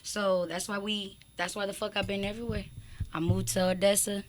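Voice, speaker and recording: A woman's voice: medium pitch, little pitch movement, brisk, slight background noise. A woman guest in a casual group podcast chat, talking with hype, heavy slang and swearing. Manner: slangy, swearing, hyped talk. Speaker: music artist guest on a podcast.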